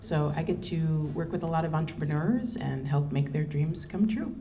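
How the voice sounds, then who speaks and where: Noticeable background noise and audible room echo accompany a woman speaking at a fairly low pitch with an American accent. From United States. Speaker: product manager. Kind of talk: live podcast panel discussion.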